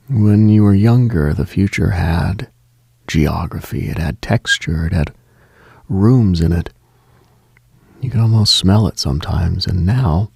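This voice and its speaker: A man hosting a late-night radio show, speaking a slow reflective monologue in a hushed, half-whispered delivery. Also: deep voice, gravelly, slightly rough, dry recording, studio quality.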